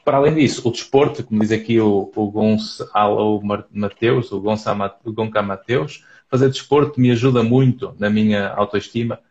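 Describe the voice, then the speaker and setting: Portuguese man, measured, lo-fi sound. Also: on the low side, darkish tone. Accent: European Portuguese. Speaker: psychologist co-hosting a live stream. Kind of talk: casual live chat reading viewer comments. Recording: dull lo-fi audio.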